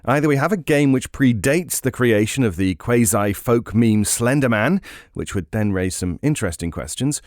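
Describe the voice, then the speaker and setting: Casual British male podcast host played by an actor, curious, hesitant, animated pitch, naturalistic audio drama, music bed behind. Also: moderate pace, few pauses, no room sound, clean studio sound, lightly acted. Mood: unsure, intrigued. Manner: hesitant, informal, thinking aloud.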